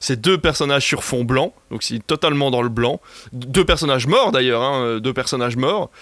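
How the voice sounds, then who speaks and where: A man on a casual film podcast, joking around and retelling film scenes with animation. The recording is dry, with no room sound, and his voice sits at a middle pitch. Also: normal speed, fairly bright tone, dry recording. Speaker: podcast panelist.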